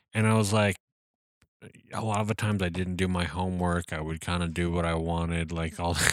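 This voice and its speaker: In a slight Canadian accent, a man with a very deep, low pitch speaks at a fairly quick pace in a monotone, flat intonation on a very clean recording with a silent background. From Canada. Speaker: podcast host. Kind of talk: casual chat.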